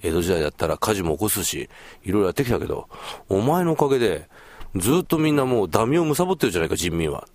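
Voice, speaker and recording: A man's voice: lowish voice, quick pace. A man hosting a podcast in casual chat, telling stories with lots of laughter. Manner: animated storyteller, laughs often. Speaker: podcast host.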